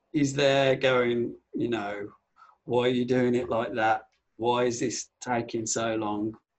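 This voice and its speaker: A man with an English accent, medium pitch, and monotone, flat intonation, at a very slow pace. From England. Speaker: designer. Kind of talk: casual interview chat.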